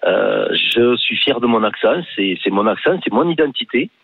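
A man with a Toulouse accent phoning into a radio talk show, speaking hesitantly with many pauses. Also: medium pitch, lively intonation, vocal fry, breathy edge, no echo. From southern France. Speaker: caller. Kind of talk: phone-in call. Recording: tinny phone line.

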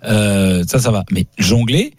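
Man, husky, fast-talking, joking, punning, dry close mic. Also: fairly low pitch, a little mellow, dry recording. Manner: fast, joking, full of puns. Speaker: guest, former footballer. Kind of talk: casual banter. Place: radio studio.

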